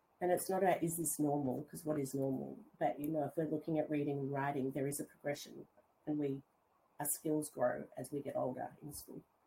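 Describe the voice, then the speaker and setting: A woman's somewhat breathy, very deep, low voice, dark and mellow in tone, in an Australian accent, monotone and flat, at a fairly quick pace. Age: 40s. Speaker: dyslexia advocate and researcher. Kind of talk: interview.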